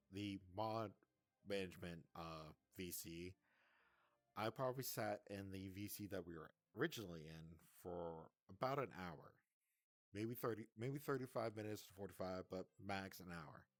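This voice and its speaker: A man's voice: low voice, no echo. A man casually recounting a breakup in a vlog, hesitant and rambling, often stammering and restarting.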